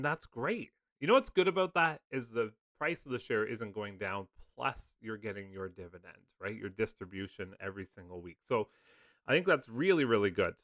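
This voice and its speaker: A man's voice: fairly low pitch, bright, forceful tone, dry recording, clean studio sound. A man, just over a cold, casually explaining funds in a loose, chatty video talk full of fillers. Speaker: finance video host. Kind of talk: casual screen-share explainer.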